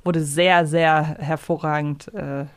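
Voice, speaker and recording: A woman's voice: sits low, steady tone, takes it slowly, smooth, no echo, studio quality. A woman co-hosting a casual fan discussion, reflectively explaining her opinions step by step. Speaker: podcast co-host.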